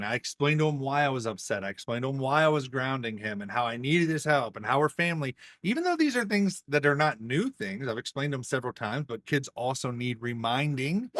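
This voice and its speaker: A man's voice: mid-range voice, fairly bright tone, no room sound. A man, a single father, talking casually to his viewers, with many "you know" fillers. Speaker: single dad vlogger. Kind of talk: casual talk to camera.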